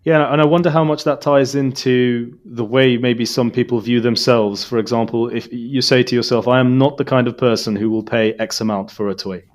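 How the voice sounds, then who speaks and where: A man in his forties speaks in a casual podcast conversation. He sounds reflective and measured, thinking through an idea as he goes. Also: medium pitch, steady tone. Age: 40s. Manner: reflective, thoughtful. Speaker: podcast co-host. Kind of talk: casual chat.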